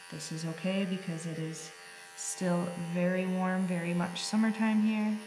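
A woman talks in a flat, monotone way over noticeable background noise. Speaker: rabbit breeder. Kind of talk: tutorial. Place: kitchen.

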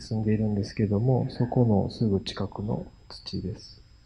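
A man talks in a somewhat breathy voice. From Japan, Kyoto (Gojozaka); Japan. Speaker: potter; presenter. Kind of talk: presentation with interpreter; lecture. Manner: halting with many fillers. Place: hall. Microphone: handheld.

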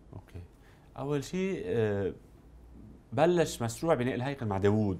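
Lively intonation in a dark, mellow tone. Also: man. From Lebanon. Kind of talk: religious talk show interview. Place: studio. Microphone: lapel.

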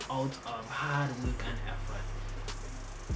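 A man's voice competes with loud noise in the background. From Trinidad and Tobago. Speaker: fitness vlogger. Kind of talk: casual talk to camera. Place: home room. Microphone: webcam.

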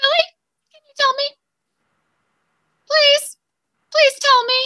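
A cartoonish character voice pitched extremely high. It moves along at a fairly slow pace. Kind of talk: kids' puppet show. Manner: upbeat, enthusiastic.

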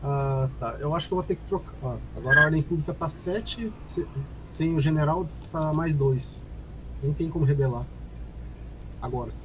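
Moderate pace with long, frequent pauses over noticeable background noise. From Brazil, Paraíba. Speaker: gamer. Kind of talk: casual chat.

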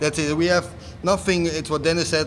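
Light background noise sits behind a man speaking with a Dutch accent. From Netherlands. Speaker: death metal musician. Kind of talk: casual interview. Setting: at a metal festival. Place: tent. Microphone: handheld.

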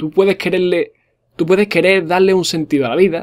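A man talks at a fairly quick pace. His voice sits high in pitch. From Spain. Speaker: gaming YouTuber. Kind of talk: Q&A monologue to viewers. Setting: home recording, reading viewer questions. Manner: casual, rambling.

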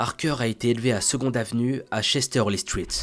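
Moderately paced speech from a man, with ordinary rises and falls in pitch. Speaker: YouTuber. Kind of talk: true-crime narration. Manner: conversational storyteller, casual asides and slang; dramatic, serious tone. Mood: grave, dramatic storytelling. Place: home room. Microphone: studio mic.

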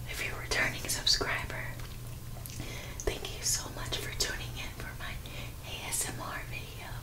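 Loud background noise fills the clip while a woman talks at a fairly slow pace. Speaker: ASMR creator. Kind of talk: ASMR whisper talk to camera. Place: bathroom.

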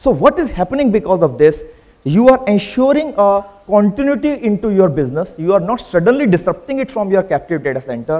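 Against a quiet background, a man with a high-pitched yet dark, mellow tone speaks at a fairly quick pace with very wide pitch swings. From India. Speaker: tech company executive. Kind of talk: conference keynote. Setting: stage with audience. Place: hall. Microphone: lapel.

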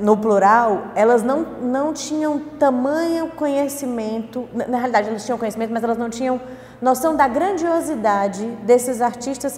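A woman with a high voice talks at a moderate pace with ordinary pitch variation, and the room echo is audible. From Fortaleza, Brazil. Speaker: interviewer and show host. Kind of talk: casual interview talk. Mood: warm, admiring. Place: hall.

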